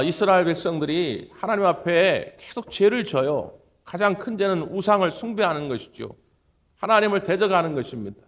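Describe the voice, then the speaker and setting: Emphatic preaching man, fairly high voice. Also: fairly bright tone. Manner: emphatic preaching with repeated phrases and sudden rises in pitch and volume. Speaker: pastor. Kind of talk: sermon. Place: church sanctuary.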